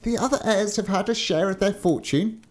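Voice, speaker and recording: A man's voice: high-pitched, fairly quick, pitched above the performer's own voice, lightly acted. A man voicing a tall, thin, ailing male giant in a storybook, mild and evasive.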